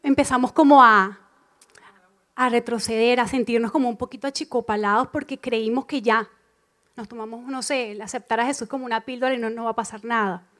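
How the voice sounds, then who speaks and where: A woman delivers an evening church sermon in a high, light voice. She speaks emphatically, circling back to repeat her key phrases. Now and then she slips into little acted-out voices to make a point. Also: brisk. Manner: expressive, acts out inner voices. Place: church congregation.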